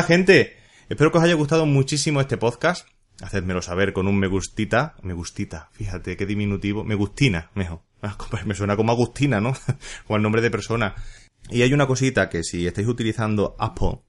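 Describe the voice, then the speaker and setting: A man hosting a casual solo podcast, chatty and jokey with playful asides. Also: fairly low pitch. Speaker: podcast host.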